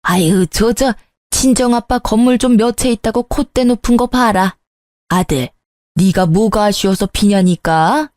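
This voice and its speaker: A woman's voice: mid-range voice, a little slow, a little mellow, dry recording, clean studio sound, natural voice. Brief: scheming middle-aged mother-in-law, fussy and wheedling, a woman acting her out. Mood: sneering. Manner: fussy, wheedling, then indignant.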